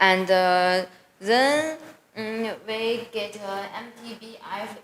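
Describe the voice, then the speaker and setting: A woman with a non-native accent at a very slow pace, ordinary pitch variation, audible room echo and noticeable background noise. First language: not English. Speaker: conference presenter. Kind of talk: conference talk with Q&A. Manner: halting.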